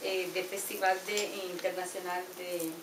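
An older woman from Colombia with a Colombian Spanish accent, giving a halting show and tell in English from a paper, slipping into Spanish words. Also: lowish voice, level tone, noisy background. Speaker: adult English learner. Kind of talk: classroom show and tell presentation. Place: small classroom. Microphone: far camera. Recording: roomy classroom from far off with clicks.

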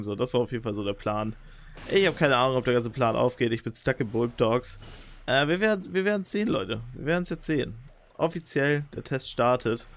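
A young man doing live, excitable commentary on his own gameplay, talking straight to his viewers. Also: a little hiss or hum. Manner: excitable, talks to viewers, jumps into high squeals when excited. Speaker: let's play gamer.

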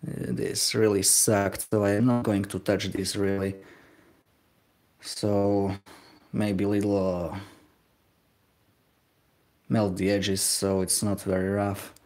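A young Slovak-accented glassblower chats casually on a live stream while working in his home workshop. His slightly mellow voice sits on the low side with little pitch movement, and he talks in a hesitant, halting, self-deprecating way.

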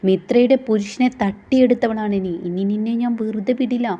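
A woman's voice: a little high, steady tone, normal speed, warm tone, lightly acted. A woman voicing a jealous, scorned young woman who pleads for love and then turns bitter and threatening, on a dull lo-fi recording.

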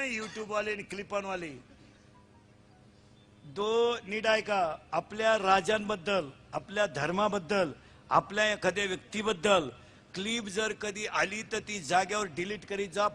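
A man preaching a comic kirtan sermon, telling stories and acting out the characters' voices, and shouting the punchlines. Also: high voice, a little hiss or hum.

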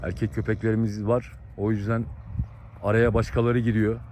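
A man's voice: fairly low pitch, level tone, normal speed. A man narrating to his viewers while trying to separate two fighting dogs outdoors, giving urgent repeated commands. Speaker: dog breeder vlogger. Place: outdoors in a dog yard. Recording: outdoor recording with dog noise.

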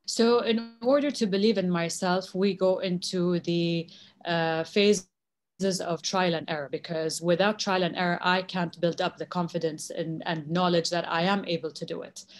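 Low-voiced woman moderating a panel. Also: steady tone, normal speed. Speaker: webinar moderator. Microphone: laptop webcam video call.

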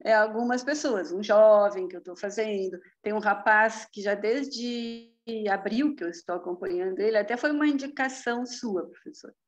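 A woman's voice: mid-range voice, normal speed. A woman tells a testimonial story in a chatty way, laughing often and adding tag questions, over a video call. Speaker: therapy practitioner giving a testimonial.

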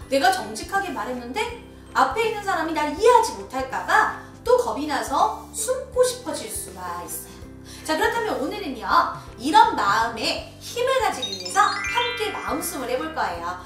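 High, sing-song woman teacher. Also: very animated. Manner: sing-song and encouraging, coaching slow breathing. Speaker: children's teacher. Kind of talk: children's lesson video. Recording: echoey room, from a distance, soft music.

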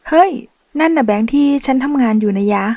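A woman's voice: on the high side, normal speed, a little mellow, no room sound, close to an everyday voice. A woman reading a novel aloud, voicing a sassy, boastful transgender woman who manages loans at a bank. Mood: teasing. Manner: brash, teasing, boastful.

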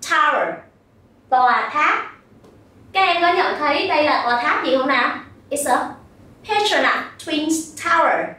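A woman teacher with a Vietnamese accent, pronouncing words slowly and clearly for young learners to repeat. Her voice sits high, and she speaks at an unhurried pace. The recording is heavily echoey and distant, as if she stands well away from the microphone. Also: animated, bright, forceful tone. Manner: slow, clear modelling of words for repetition. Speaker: primary school English teacher. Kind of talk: recorded vocabulary lesson.

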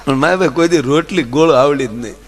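A man's voice: on the high side, fast talker. A man telling comic folk stories on stage, acting out the voices of the people in them. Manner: lively storytelling with acted-out voices. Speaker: folk comedian. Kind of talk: Gujarati stand-up storytelling. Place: stage program before an audience.

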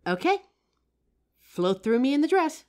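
A woman playing a kind, playful psychic who gently helps a ghost in an audio roleplay. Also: high voice, sing-song, a little slow. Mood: excited, warm. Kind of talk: audio roleplay addressed to the listener.

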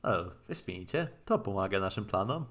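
A man reading visual novel dialogue aloud in a halting way and adding his own comments as a streamer. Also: on the low side, animated, fairly bright tone. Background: game music.

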